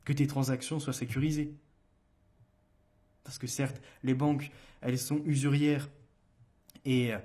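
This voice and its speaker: A man with a mellow, darker voice hosts a solo commentary show. He speaks in a middle pitch. He challenges his listeners with pointed rhetorical questions, often hesitating and restarting mid-sentence. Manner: argumentative, addresses listeners directly with rhetorical questions. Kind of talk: solo political commentary, reading book passages aloud.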